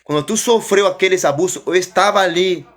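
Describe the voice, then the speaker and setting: A man quoting God as a tender father reassuring his son, gentle and unhurried. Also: high-pitched.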